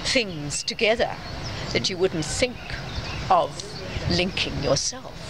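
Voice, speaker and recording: Older female interviewee, slightly low voice, reflective and articulate, recorded outside over clear background noise. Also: expressive, slow. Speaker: interviewed writer and academic. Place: outdoors in a courtyard beside a building. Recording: noisy outdoor recording, urban traffic ambience.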